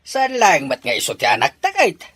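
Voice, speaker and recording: An actor playing a gruff, domineering father in a radio drama, raspy, with a Filipino Ilocano accent. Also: a little high, huge pitch swings, a little fast, a bit bright, no room sound, heavily acted. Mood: scornful.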